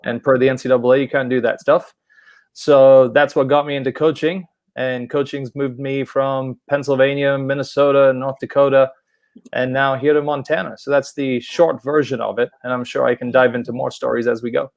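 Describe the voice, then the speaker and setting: Gravelly-voiced Polish-born coach, dry sound. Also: male voice, medium pitch, normal speed, no room sound. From Poland. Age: about 40. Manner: relaxed storytelling. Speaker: university soccer head coach. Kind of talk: podcast interview.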